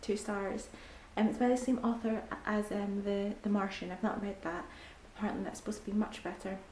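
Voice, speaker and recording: Young Scottish woman vlogger, relaxed mellow chatter with ums and soft near-whispers, in a roomy space. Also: medium pitch, brisk. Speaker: book vlogger. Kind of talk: casual reading vlog. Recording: echoey room with faint background hiss.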